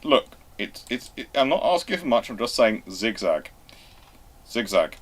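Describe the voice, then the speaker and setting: A man with a mid-pitched voice hosts a live question-and-answer talk. He explains things emphatically, often stopping to repeat and rework a phrase before carrying on. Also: sing-song, measured pace. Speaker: host answering viewer questions.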